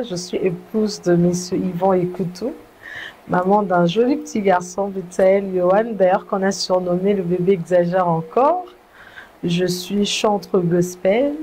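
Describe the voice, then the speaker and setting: A young Congolese woman telling her life story in an interview, measured and earnest, often pausing and restarting. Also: lowish voice, background noise. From Congo (DRC). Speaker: guest, gospel singer. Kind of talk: testimony interview.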